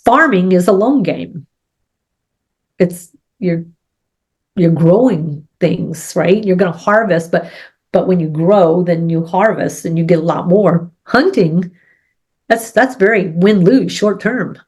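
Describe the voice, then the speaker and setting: Slow and low-pitched, her voice has a darkish tone and a breathy edge. A middle-aged woman with a head cold, she co-hosts a casual business chat, laying out her points with sports and farming examples and often asking "right?".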